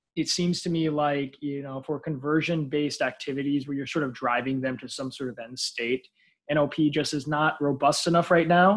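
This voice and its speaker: A man talks at a fairly quick pace with fairly even intonation against a quiet background. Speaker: podcast host. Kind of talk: podcast interview. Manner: frequent filler words. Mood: friendly, curious. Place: home room. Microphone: webcam.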